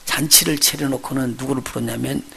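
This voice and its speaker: Gravelly-voiced Korean pastor preaching. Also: male voice, medium pitch, fast talker, slight background noise. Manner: lively storytelling, acts out the characters he retells; addresses the congregation directly with questions. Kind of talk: sermon.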